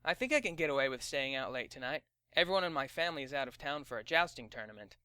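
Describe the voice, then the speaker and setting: A man's voice: medium pitch, lively intonation, fast, bright, forceful tone, smooth, no echo, studio quality. A man playing an earnest, mild sixteen-year-old boy in a fantasy comedy audio drama. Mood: sheepish.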